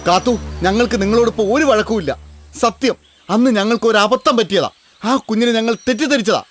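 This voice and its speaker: A man as a high-pitched, conciliatory cartoon animal. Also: quick pace, soft background music, close to an everyday voice. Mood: apologetic. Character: apologetic, helpful animal, a former foe. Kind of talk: children's cartoon voice acting.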